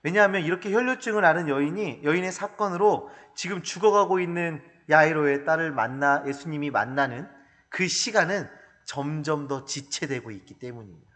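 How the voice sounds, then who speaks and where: A male pastor preaching a sermon in an animated, humorous storytelling manner, recorded in a church hall. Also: fairly high pitch, fairly quick.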